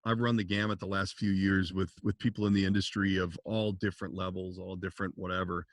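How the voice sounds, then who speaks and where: A man's voice: deep voice, level tone, fast, dry recording, studio quality. A man hosting a podcast, asking questions in an easygoing, agreeable way. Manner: easygoing, agreeable interviewer with short responses. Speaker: podcast host. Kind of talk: casual podcast interview.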